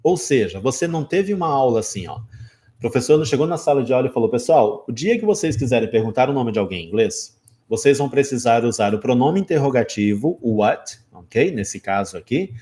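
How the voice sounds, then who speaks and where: A man's voice: mid-range voice, animated, a little fast, warm tone. A man in his forties with a Brazilian Portuguese accent, an English teacher giving a live online lesson who keeps checking in with his viewers. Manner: explanatory, checks in often with "ok?".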